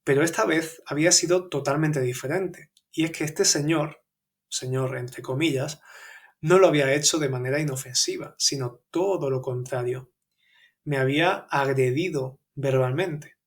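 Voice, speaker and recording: Andalusian man telling a story, higher voice. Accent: Andalusian Spanish. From Andalusia, Spain. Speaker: podcast host and Spanish teacher. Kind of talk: scripted personal storytelling for learners.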